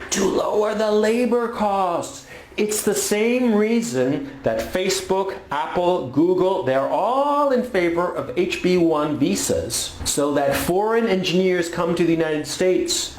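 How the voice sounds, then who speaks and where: A man's voice: high voice, echoey room, slight background noise. A man from Chile delivering a blunt, sarcastic opinion monologue with coarse language. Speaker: political commentator.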